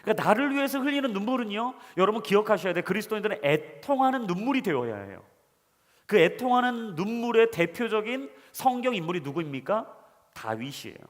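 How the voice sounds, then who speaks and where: A male pastor preaching a sermon to a young adult congregation, often turning to address them directly. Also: sits high. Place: church sanctuary. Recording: long hall reverb of a church sanctuary.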